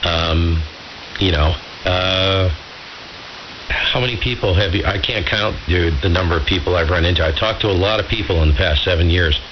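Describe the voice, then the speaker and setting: A man with a deep voice chats informally over an AM ham radio link, musing aloud and leaning on his words for emphasis. The signal is dull and band-limited, under a loud steady hiss. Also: normal speed. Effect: AM ham radio transmission. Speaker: amateur radio operator. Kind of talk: casual radio chat.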